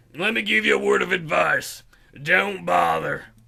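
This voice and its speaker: A put-on, raspy character voice from a man, moderately paced. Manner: dumb, goofy.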